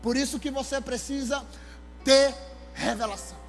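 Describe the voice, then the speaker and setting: A male pastor with a Maranhão accent, preaching a sermon with animated, exclamatory storytelling. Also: very high voice, normal speed. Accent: Maranhão, Brazil. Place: church sanctuary. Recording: hall reverb with soft music.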